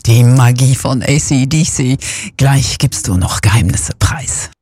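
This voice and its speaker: A woman's voice: very deep voice, animated, mellow, husky, dry recording, soft background music. A woman hosting a radio interview, asking short questions and giving brief encouraging replies. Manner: brisk, brief prompts and backchannels. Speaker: radio host.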